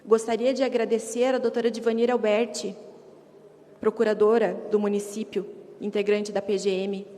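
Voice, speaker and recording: A woman's voice: mid-range voice, flat delivery, moderate pace, mellow. A woman gives a formal advocacy speech to a council, emphatic and rhetorical, in short repeated phrases. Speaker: advocate addressing city council. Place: council chamber. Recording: echoey hall reverb.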